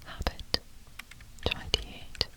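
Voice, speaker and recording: A person whispering close to the ear in an unvoiced ASMR tutorial style, with deliberate delivery, as a programming instructor. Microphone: close ear-to-ear stereo microphone. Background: computer keyboard typing.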